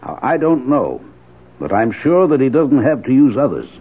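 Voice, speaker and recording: A man's voice: medium pitch, big pitch swings, moderate pace, breathy edge. An actor with an American accent playing an anxious, hesitant middle-aged father in a 1970s radio drama. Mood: anxious, insistent. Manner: hesitant, uneasy. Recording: tinny, phone-like old radio broadcast.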